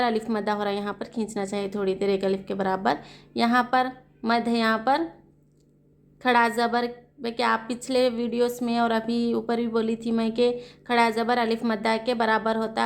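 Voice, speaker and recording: A woman Quran reading teacher with a South Asian Urdu-Hindi accent, slowly spelling out letters and vowel marks and explaining the rules with questions. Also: on the high side, gravelly. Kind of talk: slow spelled-out recitation lesson.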